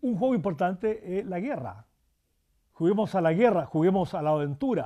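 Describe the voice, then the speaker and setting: Over a quiet background, a man with a high pitch and a dark, mellow tone speaks at a moderate pace with lively intonation. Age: 80s+. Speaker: essayist and lecturer; lecturer. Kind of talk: lecture. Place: hall. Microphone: podium.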